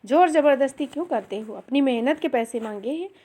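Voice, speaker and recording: A woman's voice: sits high, animated, a little fast, mellow. A woman voicing a poor, weary young village laborer who speaks humbly and earnestly.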